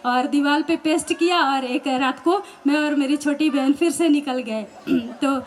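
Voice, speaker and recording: High-voiced woman sharing her faith testimony. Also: unhurried. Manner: storytelling, acting out quoted voices, laughing now and then. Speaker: religious sister giving testimony.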